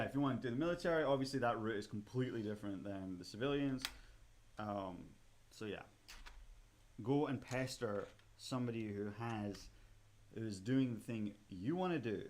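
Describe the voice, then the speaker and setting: A man with a Scottish accent chatting casually as a museum livestream host while building a model kit, rambling with many fillers and restarts. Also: slight background noise. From Scotland. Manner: animated, with sudden rises in pitch and loudness when excited.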